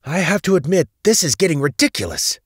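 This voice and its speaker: A man's voice: high voice, moderate pace, no room sound, clean studio sound, pitched above the performer's own voice, close to an everyday voice. A man voicing a bold, brash female vanguard warrior with a commanding manner in a fantasy audiobook. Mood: exasperated. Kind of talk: dramatic fantasy audiobook character.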